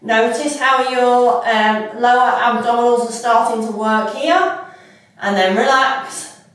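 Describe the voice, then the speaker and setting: Leading a guided workout, this fitness instructor speaks in a high, slightly congested voice from a cold, cueing warmly and without rushing. Her voice bounces around an echoey room, recorded from a distance.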